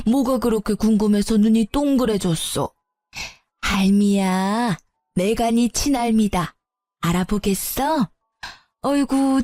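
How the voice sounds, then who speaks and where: A woman voicing an older mother-in-law who coos at her granddaughter and apologizes remorsefully, with a slow, drawn-out manner. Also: on the high side, warm tone, no room sound, natural voice. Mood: doting. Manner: coaxing, drawn-out baby talk.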